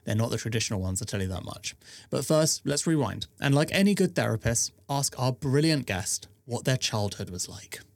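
A man hosting an interview podcast, with a voice of middling pitch. He reads his intro in an upbeat, scripted way, then asks his questions loosely. The sound is dry and close, with no room around it. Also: animated, moderate pace, creaky, no room sound. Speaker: podcast host.

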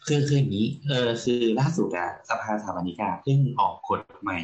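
Brief: male podcast co-host, lower pitch, halting explainer with lots of fillers. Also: lively intonation, a little mellow, a little hiss or hum. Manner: hesitant, many fillers while explaining. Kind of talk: casual chat, explaining permit rules.

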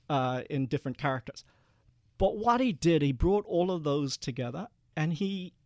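Middle-aged man from Malaysia as an interview guest. His voice sits a little high, and he sounds earnest and explanatory, laughing easily. The recording is close and dry. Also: dry recording. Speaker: guest, investment manager. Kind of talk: interview answers.

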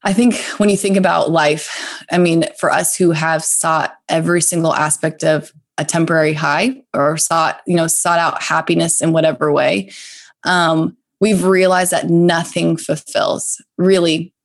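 A woman's voice: sits low, steady tone, unhurried, vocal fry. Earnest woman sharing her faith story. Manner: earnest, heartfelt, restarts phrases. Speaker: podcast guest. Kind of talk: faith-based conversational sharing.

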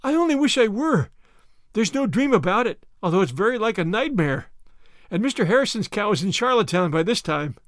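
A man's voice: high-pitched, sing-song, fairly quick, dry recording, studio quality. A man voicing a young imaginative girl, impulsive and dramatic, speaking in a breathless, distressed way. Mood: distraught.

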